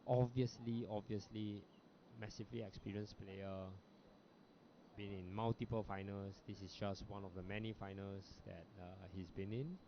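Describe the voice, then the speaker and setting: A man from Singapore with a Singaporean English accent, giving relaxed, chatty live commentary on a bowls match, with frequent fillers. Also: on the low side, normal speed. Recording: lo-fi broadcast audio with background noise.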